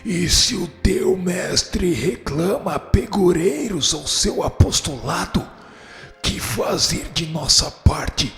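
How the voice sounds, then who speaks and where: A man plays a haughty dark spirit sitting in judgment, declaiming with scorn in a radio drama. The voice sits fairly high and has a rough creak. It rings through a long echoing hall, with music underneath. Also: expressive, takes it slowly, exaggerated voice. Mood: scornful, forceful. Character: haughty male dark spirit, judge of the guilty. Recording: echoey hall reverb with music behind.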